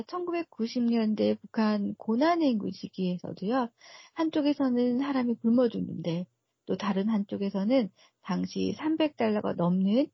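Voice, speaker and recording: A woman's voice: mid-range voice, gravelly, slightly rough, no room sound, lo-fi sound. A woman speaking as an expert radio guest, giving prepared analysis in a formal, explanatory way. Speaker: research fellow, expert guest.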